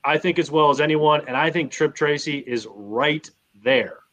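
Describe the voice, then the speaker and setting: A man's voice: fairly high pitch, normal speed, a bit bright. Man chatting casually about sports. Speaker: sports podcast co-host.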